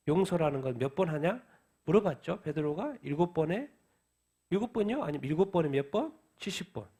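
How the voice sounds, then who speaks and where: A man's voice: high-pitched, a little mellow, husky. A man preaching a midweek sermon who asks questions and answers them himself. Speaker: pastor. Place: church.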